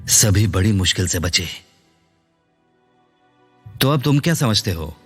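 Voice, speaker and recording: A stern middle-aged father in a dubbed film. His voice sits very low. He explains things slowly and with firm authority. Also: animated, slightly rough, faint music behind. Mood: earnest.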